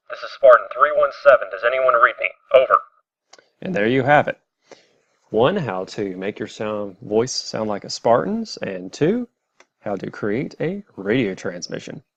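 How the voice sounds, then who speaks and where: A man walks through software steps as a tutorial presenter, plainly and methodically. His voice is a touch low, recorded very dry with a slightly muffled, homemade sound. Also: dry recording. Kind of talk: step-by-step software tutorial narration.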